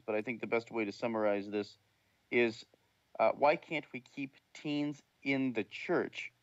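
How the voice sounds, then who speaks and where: A man's voice: mid-range voice, no room sound, highs cut off. A man co-hosting a radio talk show, easygoing, reading out listener questions. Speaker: show producer and co-host.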